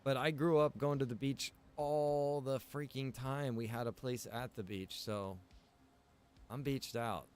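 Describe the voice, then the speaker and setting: A man's voice: medium pitch, fairly even intonation, unhurried, darkish tone, a little hiss or hum. A man chatting casually as he streams a game, informal and muttering to himself with the odd mild grumble. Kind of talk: casual chat while gaming.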